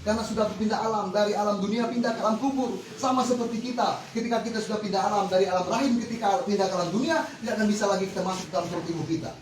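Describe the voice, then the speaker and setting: A man preaches a Muslim sermon to an audience, urging listeners on with rhetorical questions. His high voice moves very fast with hardly any pauses. The recording is echoey, from a distant mic with faint noise.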